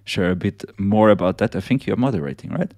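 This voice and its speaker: A man's voice: fairly low pitch, brisk, dry recording. A man co-hosting a morning show, casually running through the day's events with fillers. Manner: relaxed, listing events with fillers. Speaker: co-host.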